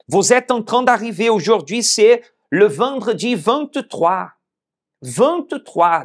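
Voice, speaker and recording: A man pastor hosting a religious broadcast, preaching straight to viewers and repeating phrases for emphasis. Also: high-pitched.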